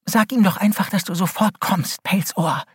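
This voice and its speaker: A man's voice: high voice, wildly swooping pitch, fairly quick, slightly rough, dry recording, studio quality, voice pushed up, exaggerated voice. A man voicing a fiery, bossy teenage girl who hisses her words sharply. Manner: hissing, sharp.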